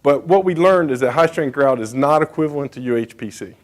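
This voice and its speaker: A man's voice: fairly high pitch, a little fast. A man giving a conference presentation as a state bridge engineer, speaking casually with frequent fillers and asides.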